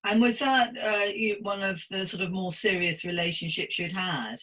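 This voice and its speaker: A woman hosting a podcast as a psychotherapist, interviewing in an effusive, gently encouraging, conversational way. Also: mid-range voice, normal speed.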